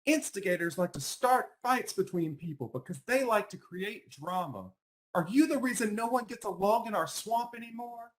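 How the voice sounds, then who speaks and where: Man putting on an earnest, higher-pitched lady bear. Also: expressive, normal speed, low-quality recording. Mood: indignant. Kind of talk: picture-book character voice.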